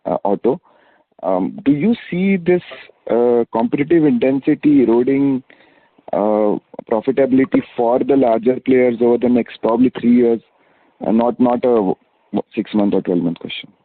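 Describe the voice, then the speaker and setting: A man's voice: medium pitch, dry recording. A man with an Indian accent asking questions as an analyst on an earnings call, polite and a little hesitant. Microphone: phone. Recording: dry, thin phone line.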